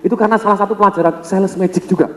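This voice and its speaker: A male sales trainer working a seminar crowd, quick-fire and high-pitched for a man, constantly turning to address the audience. His voice rings through a large hall with a long echo. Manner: energetic, keeps addressing the audience directly. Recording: echoey hall with long reverb.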